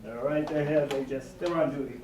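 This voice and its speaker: Playing a firefighter, a man with a mid-range voice and steady tone reads a picture book to a few children at a moderate pace, tossing in offhand comments and easy explanations. The live room recording is noisy.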